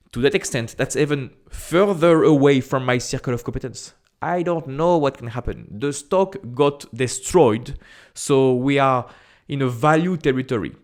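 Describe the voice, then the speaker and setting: A man from France with a strong French accent, talking casually and directly to camera as an investing YouTuber, repeating phrases and often pausing on "uh". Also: medium pitch. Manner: chatty and direct, repeats phrases, frequent "uh" fillers.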